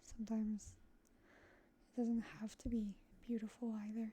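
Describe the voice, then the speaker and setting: A soft-spoken woman, fairly high in pitch, with a relaxed tone, dark and mellow, at a moderate pace. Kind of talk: ASMR rambling chat, casual talk to camera. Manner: soft-spoken, relaxed.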